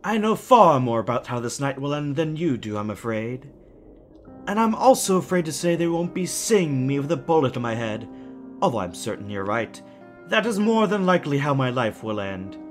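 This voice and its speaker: A man's voice: medium pitch, very animated, normal speed, faint music behind, natural voice. An actor playing a deranged, genteel villain in an audio drama, formal and mocking, savoring his words with menacing sweetness. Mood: resigned, sinister.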